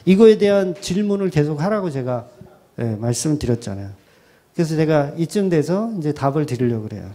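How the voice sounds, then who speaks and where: A man's voice: fairly high pitch, fairly quick. A middle-aged male pastor preaching a sermon, who acts out quoted prayers and repeats key phrases for emphasis. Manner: animated preaching, acting out quoted prayers and replies.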